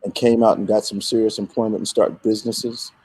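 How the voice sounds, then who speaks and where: Older guy, kinda low raspy voice, talking through life lessons, measured but emphatic. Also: level tone, a little mellow, rough recording. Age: middle-aged or older. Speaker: bishop, guest. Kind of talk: reflective conversational storytelling.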